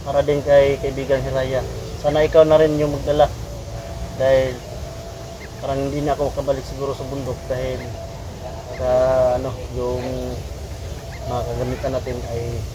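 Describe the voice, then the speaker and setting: Halting Filipino man vlogging outdoors in wind. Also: medium pitch. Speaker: adventure vlogger and host. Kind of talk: casual vlog narration to viewers. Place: outdoors in a windy, quiet spot. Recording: noisy outdoor recording with wind.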